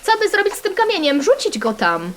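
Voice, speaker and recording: A woman with a Polish accent narrates a browser game as she plays, playful and excitable. Her high voice leaps all over the place, full of sudden squeals and sing-song chants. A faint hiss of noise sits under the recording. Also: a little fast. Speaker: gaming channel host.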